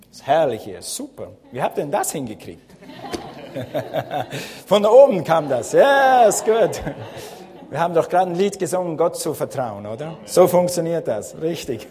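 A man's voice: a little high, warm tone. A man from Switzerland with a Swiss accent in his Standard German, preaching a friendly, chatty sermon as a guest pastor in a church hall. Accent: Swiss German speaking Standard German. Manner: friendly, chatty, laughs often, rising emphasis. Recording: long hall reverb.

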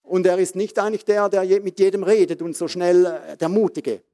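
A male evangelist with a Swiss German accent delivers a fervent sermon in a somewhat high voice. He reads scripture deliberately and presses hard on its key phrases. He breaks into hallelujahs and tells lively stories with laughter. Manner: emphatic preaching with calls of amen and hallelujah. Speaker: evangelist preacher.

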